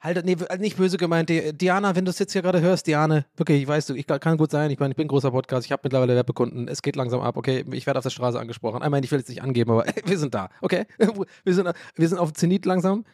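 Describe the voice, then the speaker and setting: A man's voice: a little high, steady tone, fast talker, hardly any pauses, a little mellow, no room sound, studio quality. A man from Ireland hosting a podcast, rambling and joking in casual chat, swearing and mocking himself. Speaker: podcast host.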